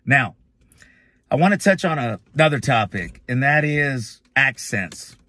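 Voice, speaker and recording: A man's voice: mid-range voice, lively intonation, unhurried, pushed and bright. A man with a Chicano accent talking candidly and casually to his viewers about his business, blunt and conversational with the odd swear word. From Northern California. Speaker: lead-generation business owner. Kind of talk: casual talk to camera.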